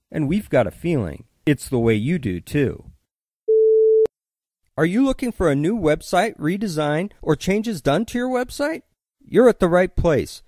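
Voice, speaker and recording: A man's voice: sits high, darkish tone, no room sound, clean studio sound. A middle-aged man reading scripted commercial narration in a polished, earnest way with emphatic phrasing. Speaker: voice-over artist.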